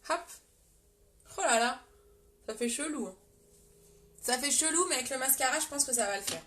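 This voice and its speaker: A young French woman hosts a live makeup stream, speaking with a French accent in a high-pitched, animated, fairly bright voice at normal speed. She's chatty, talking directly to her viewers and reading through the comments.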